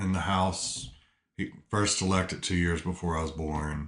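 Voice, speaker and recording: A man with an Appalachian accent speaks at a fairly slow pace. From Raleigh County, West Virginia. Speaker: attorney. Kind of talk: interview answer.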